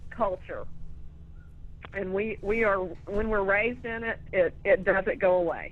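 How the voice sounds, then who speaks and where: A woman speaks with a Southern US accent. Her medium pitch is paired with a fairly slow pace. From US South. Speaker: blogger. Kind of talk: casual chat.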